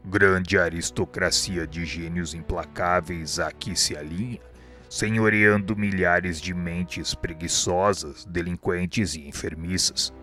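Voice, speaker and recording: An actor with a Brazilian accent playing a wise, calm male spirit guide who explains things in a solemn, measured, formal way in a radio drama. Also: low voice, soft background music, exaggerated voice. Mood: grave, explaining.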